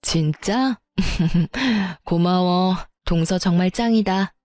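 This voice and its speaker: A woman's voice: lowish voice, very slow, a little mellow, no echo, studio quality, faint music behind. A woman voicing a friendly, easygoing sister-in-law who talks casually and cheerfully.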